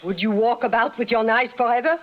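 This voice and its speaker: A woman's voice: on the high side, a little fast, narrow, tinny audio, natural voice. An actress playing a weary, bitter woman caught up with a criminal gang, speaking reproachfully. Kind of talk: 1950s radio drama acting.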